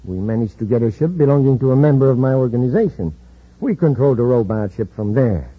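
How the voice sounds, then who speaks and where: An actor playing a cold, calculating villain who leads a gang, in an old radio drama. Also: male voice, medium pitch, expressive, fast. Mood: menacing. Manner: smooth, cool menace. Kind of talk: 1950s radio drama acting. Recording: dull old radio broadcast recording.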